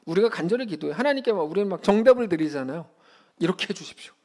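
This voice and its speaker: A male pastor in his thirties delivers a conversational sermon, with a fairly high voice that swings widely in pitch. His voice has a gravelly edge, and he acts out the lines he quotes. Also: rapid-fire. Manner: animated, conversational preaching with acted-out quotes.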